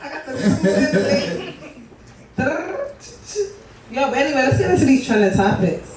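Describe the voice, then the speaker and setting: A woman with a New York accent co-hosting a casual talk show, loud and laughing, often talking over the others. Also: high-pitched, sing-song, moderate pace, very echoey, far from the mic, over a noisy crowd. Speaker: co-host. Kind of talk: casual studio banter. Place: studio.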